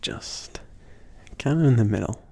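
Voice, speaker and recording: A man playing a bashful, indulgent mage shopkeeper in an intimate ASMR roleplay, speaking in a breathy, gravelly half-whisper with a hesitant, gently teasing, rambling manner. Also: mid-range voice, expressive, measured pace. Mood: shy, playful. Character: soft-spoken, bashful, easygoing male mage shopkeeper, indulgent.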